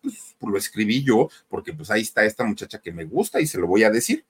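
A man's voice: lowish voice, sing-song, fast talker, breathy edge. A man voicing a shy teenage boy who worries about girls and his own voice, with a fretful, self-questioning manner.

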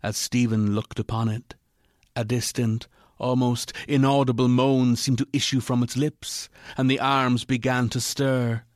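A man narrating a literary ghost story in a measured, formal way. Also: medium pitch, little pitch movement, no echo, clean studio sound, close to an everyday voice.

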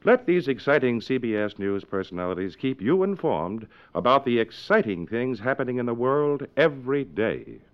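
A man's voice: mid-range voice, very animated, normal speed, hardly any pauses. An American man announcing on 1950s network radio with formal, polished, scripted delivery. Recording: dull, lo-fi 1950s radio recording.

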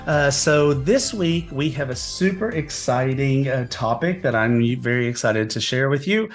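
Guy with a bit of a cold hosting his tarot podcast, kinda sniffly and scratchy, chatty and excited. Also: medium pitch, measured pace, soft background music. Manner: chatty and enthusiastic, with fillers. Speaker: podcast host, tarot reader. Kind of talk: casual podcast talk.

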